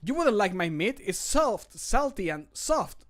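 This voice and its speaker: A man voicing a timid, pleading video game character who begs to be spared, speaking haltingly. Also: sits high, big pitch swings, fairly bright tone, voice pushed up, exaggerated voice. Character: timid, pleading potential meal begging to be spared. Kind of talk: game voice lines.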